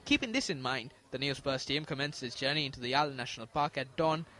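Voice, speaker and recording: A man's voice: medium pitch, lively intonation, quick pace, pushed and bright, slight background noise. A man delivering scripted nature documentary narration as a news reporter.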